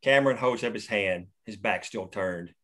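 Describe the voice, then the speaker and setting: A man reading the stage directions aloud at a script table read in a steady, plain way. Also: on the low side, normal speed.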